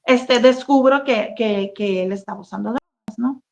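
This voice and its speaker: A woman telling her own painful story as an interview guest, halting and full of fillers and restarts. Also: on the high side, gravelly. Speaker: interview guest sharing a personal testimony. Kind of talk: emotional personal testimony, casual talk. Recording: dull, lo-fi sound.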